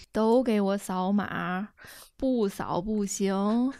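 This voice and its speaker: A woman's put-on character voice, drawling at a very slow pace, medium in pitch with fairly even intonation, in a very clean recording with a silent background. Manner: lazy, drawling, languid.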